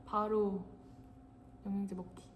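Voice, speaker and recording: A woman's voice: medium pitch, little pitch movement, takes it slowly, a little hiss or hum. A young woman hosting a casual livestream, chatting and giggling as she talks straight to her viewers.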